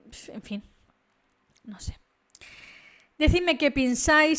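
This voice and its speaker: A woman speaks at a moderate pace in an animated tone with ordinary pitch variation, on a very clean recording with a silent background. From Canary Islands. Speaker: true crime YouTuber. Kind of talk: monologue narrating a true crime case.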